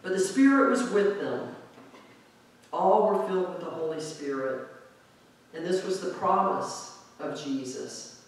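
A man's voice: high-pitched, expressive. Man preaching in an echoey church. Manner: reflective, conversational preaching with slow drawn-out emphasis. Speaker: pastor. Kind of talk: sermon. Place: church sanctuary with pipe organ, indoors. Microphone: far camera at back of sanctuary. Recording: very echoey church hall from far off.

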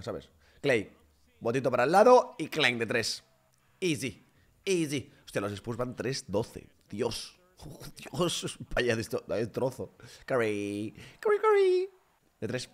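A young man giving excitable live reaction commentary on a basketball game, bursting into shouts. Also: mid-range voice.

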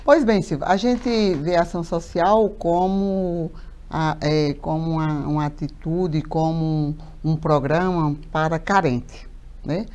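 Animated woman in her fifties. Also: low-pitched, unhurried. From Paraíba, Brazil. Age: 50s. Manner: animated, gestures a lot, many fillers and repetitions. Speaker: mayor, interview guest. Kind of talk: TV studio interview. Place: TV studio. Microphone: lapel mic.

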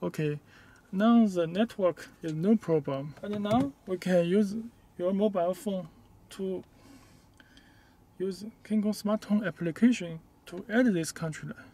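A man who is not a native English speaker gives a step-by-step hands-on demonstration inside a car, in halting, short, simple phrases. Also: sits high, mellow, a little hiss or hum. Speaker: product demonstrator.

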